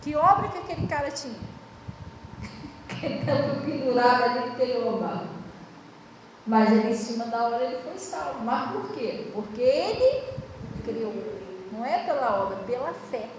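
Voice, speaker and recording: A woman pastor with a Brazilian Portuguese accent preaches in a high voice, in a conversational way that keeps checking whether the congregation understands. She is recorded from a distance in a long, echoing church hall. Room noise is clearly heard. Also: animated, normal speed. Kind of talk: sermon.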